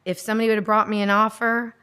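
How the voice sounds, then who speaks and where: A woman's voice: mid-range voice, level tone, rapid-fire, smooth. Woman pleading her case at a meeting. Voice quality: loud voice. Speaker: property owner addressing a board. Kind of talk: informal public testimony at a government meeting. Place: indoor public meeting room.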